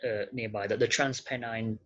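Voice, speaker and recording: A man's voice: lowish voice, fairly even intonation, a bit bright. Hesitant man, slightly muffled sound. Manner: hesitant, halting, searching for words. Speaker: podcast guest, care worker. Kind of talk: casual interview answers.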